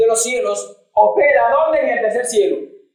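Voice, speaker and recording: The pace stays moderate. Audible room echo lingers around the voice. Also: man. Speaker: pastor teaching a Bible class. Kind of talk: lecture.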